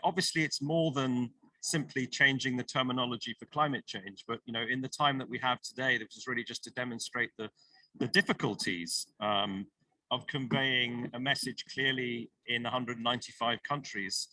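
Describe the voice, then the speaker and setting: A man's voice: medium pitch, normal speed, pushed and bright, no echo, rough recording. A man moderating an online panel discussion, encouraging and thinking aloud as he goes. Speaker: session moderator.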